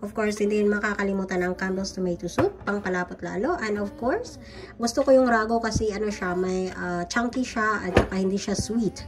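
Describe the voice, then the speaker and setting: A woman speaks at a fairly quick pace. Noticeable background noise sits behind her. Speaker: home cook vlogger. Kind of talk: casual cooking tutorial. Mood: relaxed, chatty. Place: kitchen. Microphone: phone near.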